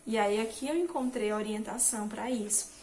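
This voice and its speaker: A woman with a slightly high voice shares a gentle, reflective Christian devotional. She talks in a soft, searching way and often rephrases her thoughts mid-sentence. Faint noise sits behind her. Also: brisk. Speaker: Christian motivational speaker. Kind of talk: devotional talk.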